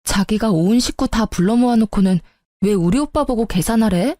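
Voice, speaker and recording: A woman's voice: medium pitch, moderate pace, warm tone, dry recording. A woman narrating a first-person story for story radio, telling it with indignation.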